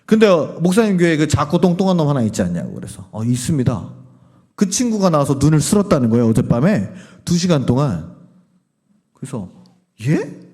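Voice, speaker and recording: A man's voice: on the high side, big pitch swings, brisk, dark tone. A man preaching a revival sermon as a pastor, telling a story and acting out its dialogue in several voices.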